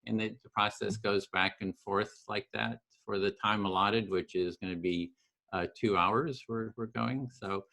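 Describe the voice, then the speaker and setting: A soft-spoken man with a fairly low voice hosts the call. He explains the process gently and keeps pausing with uh and restarting his sentences. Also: steady tone, vocal fry, poor audio. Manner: halting, lots of uh and restarts, gentle. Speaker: host and facilitator. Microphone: video call.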